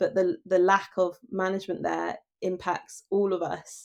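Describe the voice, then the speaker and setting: The background is quiet as a woman speaks with a southern English accent. She talks at a fairly slow pace. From southern England. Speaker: environmental communicator. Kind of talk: casual chat.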